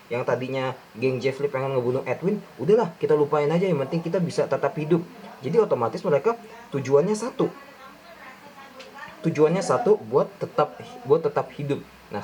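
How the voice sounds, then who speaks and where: A man's voice: medium pitch, darkish tone, poor audio. A young man giving a casual film breakdown, rambling with many restarts and slangy fillers. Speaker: film review YouTuber.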